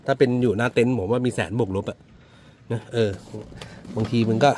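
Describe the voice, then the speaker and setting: A man with a Central Thai accent presents a used car's interior in a casual walkaround vlog, his medium-pitched, darkish voice moving a little fast over slight background noise. He's a talkative dealer who jokes about himself and treats viewers like older siblings.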